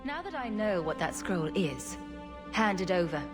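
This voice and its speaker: Assertive heroine, lively intonation. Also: female voice, lowish voice, normal speed, music in the background. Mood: challenging. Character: assertive, suspicious heroine of fantasy game.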